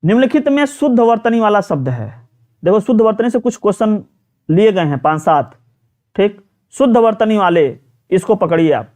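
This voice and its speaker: A Hindi teacher runs a live online exam-prep class, talking students through each question, repeating words, constantly asking them for answers and using plenty of fillers. His voice is high-pitched, very animated and a little mellow, at normal speed.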